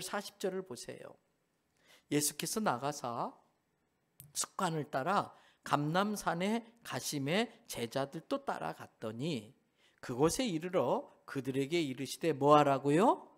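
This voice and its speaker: A man's voice: on the high side, lively intonation, unhurried. A male pastor preaching a sermon in a church sanctuary, telling a story with animation and firing questions back at the congregation.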